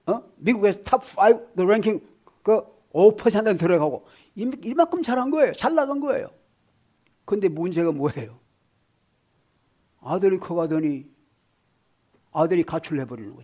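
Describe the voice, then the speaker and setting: A pastor preaching a sermon in a church, telling stories and swinging between hushed asides and loud emphasis. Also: male voice, sits high. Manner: storytelling, shifting from hushed to loud. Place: church sanctuary.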